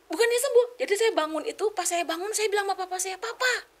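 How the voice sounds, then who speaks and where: A woman's voice: extremely high pitch, fast. A middle-aged woman giving an emotional personal testimony as a podcast guest, acting out the voices of people in her story. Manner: animated storyteller, acts out quoted voices.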